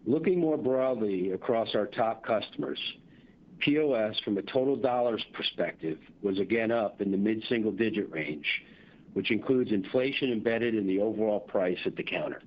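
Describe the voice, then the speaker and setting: A man reads prepared company results on an earnings call in a formal, measured corporate delivery. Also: on the low side. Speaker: company executive presenting quarterly results. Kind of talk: scripted earnings-call presentation. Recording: dull, band-limited conference call audio.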